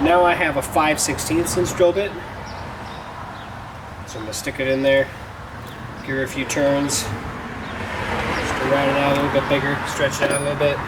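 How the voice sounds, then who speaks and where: A man hosting a casual how-to car tutorial, thinking aloud in a folksy way as he works. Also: on the high side. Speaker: DIY car tutorial host. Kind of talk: casual how-to narration while working. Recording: distant mic, clearly noisy, vehicle ambience.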